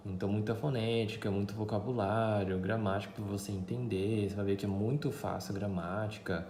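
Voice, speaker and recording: Native Mandarin speaker, male, fairly low and mellow, chatty teacher vlogging, echoey room with faint noise. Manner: chatty, many fillers and tag questions. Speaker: language teacher. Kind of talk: casual vlog talk to viewers.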